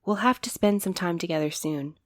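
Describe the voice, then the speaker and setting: A woman's voice: lowish voice, brisk, no echo, clean studio sound, close to an everyday voice. A woman playing a wry, put-upon mail courier in an audio drama, conversational and a little sardonic. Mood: affectionate, chatty.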